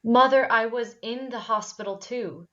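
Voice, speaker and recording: A woman acting as a gentle, patient young daughter in a drama script read, on a dull home recording. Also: on the high side, normal speed, natural voice. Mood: earnest, patient. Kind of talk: dramatic table read of a screenplay.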